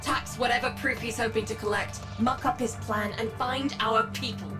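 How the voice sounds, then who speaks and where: A woman's voice: a little high, steady tone, normal speed, over music, lightly acted. A woman playing an earnest, burdened workers' leader in a video game, speaking with determination. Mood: determined. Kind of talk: video game dialogue acting.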